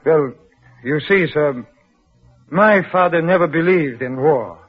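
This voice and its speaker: A man's voice: fairly high pitch, takes it slowly, husky. An actor playing a polite, respectful young refugee of twenty-two who is bitter about his past, in 1940s radio drama style. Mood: earnest. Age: 20s. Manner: polite, says sir. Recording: muffled old radio broadcast.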